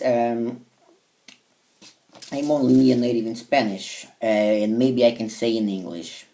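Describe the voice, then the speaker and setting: Man, Portuguese accent, native Portuguese speaker, hesitant with many fillers, warm dark tone, a bit off-mic. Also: medium pitch, far from the mic. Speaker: language learner vlogger. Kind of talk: casual monologue to camera.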